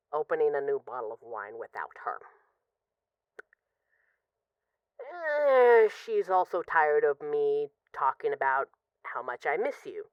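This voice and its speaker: A woman playing an apologetic, lovesick mafia boss who is guarded but vulnerable, speaking haltingly and confessionally in an intimate audio roleplay phone call. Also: sits low, clean tone, no room sound. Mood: weary, wry. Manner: halting, confessional, with pauses and sighs.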